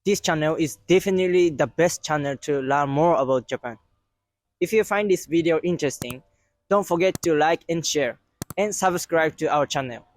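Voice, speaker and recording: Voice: mid-range voice, moderate pace. A channel host interviewing passersby, asking short direct questions and reading an intro. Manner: short prompting questions, plain delivery.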